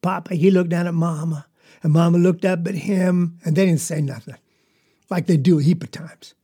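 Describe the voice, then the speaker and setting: A man's voice: fairly high pitch, fairly even intonation, moderate pace, dark tone, breathy edge. A man telling as an earnest poor Southern boy. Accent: rural Southern US. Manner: folksy drawl, rambling. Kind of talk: storytelling monologue.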